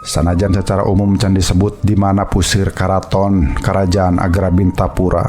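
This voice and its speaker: A man's voice: low voice, little pitch movement, moderate pace, a little mellow, slight background noise. A man with a Sundanese accent, narrating a folk tale to his listeners as a storyteller.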